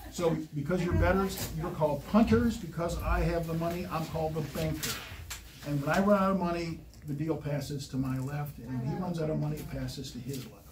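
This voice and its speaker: Pitch variation is ordinary as the man talks at a fairly quick pace over noticeable background noise. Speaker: historical reenactor demonstrating a card game. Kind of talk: living-history demonstration to visitors. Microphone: camera far.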